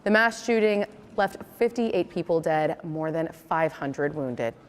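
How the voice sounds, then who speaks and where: A woman's voice: low voice, animated, unhurried, big-room sound. A woman with an American accent reading a scripted local television newscast as the anchor.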